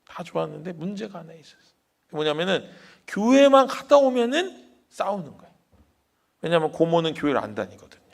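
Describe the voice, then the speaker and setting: A male senior pastor telling a story in a sermon, animated, questioning the congregation and dropping to a hush. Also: on the high side, a little fast, gravelly.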